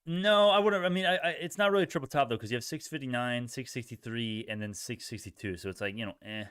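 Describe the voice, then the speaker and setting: A man's voice: mid-range voice, fast, fairly bright tone, clear, resonant tone, dry recording, studio quality. A young man hosting a casual live stock-trading stream, reacting to chat in informal bro slang and often repeating himself as he thinks aloud. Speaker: livestream host, retail stock trader.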